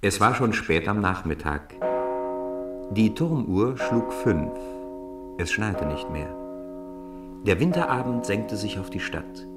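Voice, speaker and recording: A man's voice: on the low side, lively intonation, slow, pauses often, loud music behind the voice. A man narrating a radio play as a storyteller, reading scripted prose.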